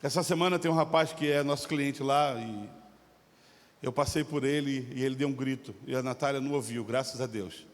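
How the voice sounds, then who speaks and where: A man with a Brazilian Portuguese accent, a pastor preaching a sermon. He swings from shouted exhortation to relaxed, chatty storytelling. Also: medium pitch, brisk. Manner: impassioned, shifting from shouting to storytelling. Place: church sanctuary. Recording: long hall reverb.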